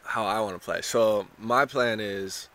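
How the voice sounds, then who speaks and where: Laid-back young surfer guy, bright voice. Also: fairly low pitch, steady tone, measured pace. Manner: laid-back surfer talk, lots of "you know" and "like". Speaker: contestant being interviewed. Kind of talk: casual interview.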